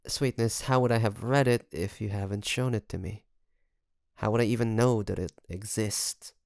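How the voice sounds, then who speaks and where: A man playing a secretly obsessive best friend in an intimate audio roleplay, coaxing and hesitant, with sighs and pauses. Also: on the low side, gravelly, a little mellow, dry recording, studio quality. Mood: casual, coaxing.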